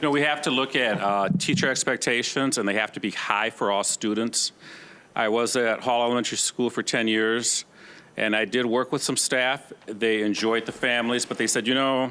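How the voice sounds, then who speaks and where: A man's bright, sharp voice at medium pitch, with fairly even intonation, very even loudness and a moderate pace. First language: Spanish. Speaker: educator. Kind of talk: panel discussion.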